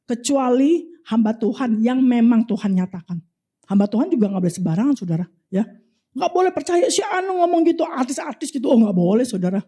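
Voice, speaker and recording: A woman with an Indonesian accent preaching an animated sermon, telling testimonies and prophesying over the congregation. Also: on the high side, brisk, breathy edge. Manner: animated, repeatedly addressing the congregation.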